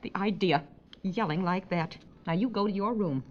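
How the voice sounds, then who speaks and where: Aktorka grająca upartą, gadatliwą i roztrzepaną żonę i matkę w komediowym słuchowisku radiowym z lat 50., gubi wątek w pół zdania. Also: female voice, on the low side, moderate pace, muffled recording, natural voice. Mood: flustered, scolding. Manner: fussy, scatterbrained, trails off mid-thought. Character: flustered, chatty, stubborn housewife and mother. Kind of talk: 1950s radio comedy acting.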